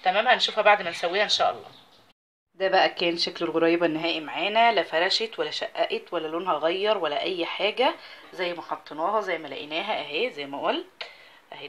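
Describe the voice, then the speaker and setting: Egyptian woman cooking host, lowish voice, quick, chatty demo while she works. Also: expressive, fairly bright tone, a little hiss or hum. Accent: Egyptian Arabic. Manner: chatty, talks while working with her hands. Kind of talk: casual recipe demonstration.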